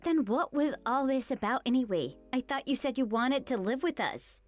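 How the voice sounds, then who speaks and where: A woman voicing a patient, hurt young wife who pleads with her mother-in-law in an animated story. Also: high voice, moderate pace. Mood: pleading. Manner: earnest, pleading. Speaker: daughter-in-law.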